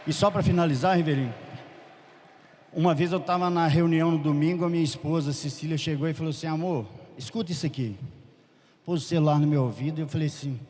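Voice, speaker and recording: A man tells a fervent church testimony, acting out the voices in his story. His voice sits a little high, and a long hall reverb trails after each phrase. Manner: storytelling, lively quoted dialogue, fervent. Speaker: church member giving testimony.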